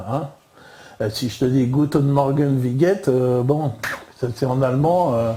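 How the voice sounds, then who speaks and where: A man with a Parisian accent speaks at medium pitch with ordinary pitch variation. Audible room echo surrounds his voice. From France, Paris. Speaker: lecturer. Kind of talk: lecture. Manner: halting, many fillers and repetitions.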